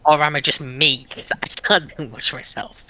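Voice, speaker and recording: A man's voice: on the high side, steady tone, moderate pace, bright, forceful tone, a little hiss or hum. A man taking part as a panelist in a casual live discussion.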